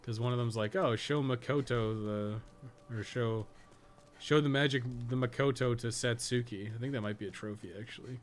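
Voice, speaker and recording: A man's voice: medium pitch, steady tone, moderate pace, slight background noise. A man giving casual, rambling live-stream game commentary, swearing and joking with his chat as he plays.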